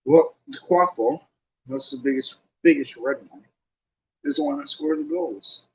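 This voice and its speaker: A man's voice: a little high, measured pace. A man voicing a schoolboy who explains rules in a heavy, resigned way. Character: patient schoolboy explaining a sport, a bit weary. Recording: dull lo-fi recording.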